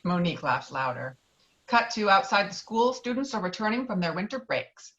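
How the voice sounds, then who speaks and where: A woman's voice: mid-range voice, big pitch swings, moderate pace, a bit bright, highs cut off. A woman reading out stage directions as scripted narration of a screenplay.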